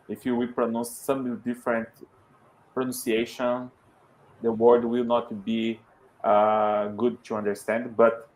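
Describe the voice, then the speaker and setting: A Brazilian man with a Portuguese accent who speaks English as a learner. He talks in a halting way, searching for words and restarting often. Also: mid-range voice, rough recording. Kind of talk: casual conversation in English as a second language.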